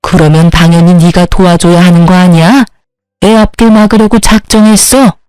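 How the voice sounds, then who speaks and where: A woman's voice: on the low side, fairly even intonation, moderate pace, mellow, smooth, dry recording, lightly acted, low-quality recording. A woman playing a defensive, insistent husband. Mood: angry. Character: defensive husband, pleading then angry.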